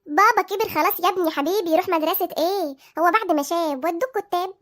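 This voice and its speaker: A fussing, nagging mother in a cartoon, coaxing her sleepy son. She speaks with an Egyptian accent, in a very high and brisk voice. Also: very noisy. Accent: Egyptian Arabic.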